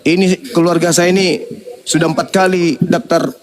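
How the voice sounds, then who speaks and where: A man's voice: high voice, little pitch movement, moderate pace, pitched below the performer's own voice, close to an everyday voice. A man voicing a middle-aged mother who pleads for a favor over the phone. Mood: pleading.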